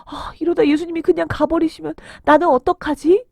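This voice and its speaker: Woman acting a high-voiced, pleading blind beggar man. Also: flat delivery, fairly quick, gravelly, a little mellow, dry recording, studio quality. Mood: anxious. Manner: emotional, crying out pleadingly. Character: desperate blind beggar man, pleading, hopeful, then overjoyed. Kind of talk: dramatised children's Bible storytelling.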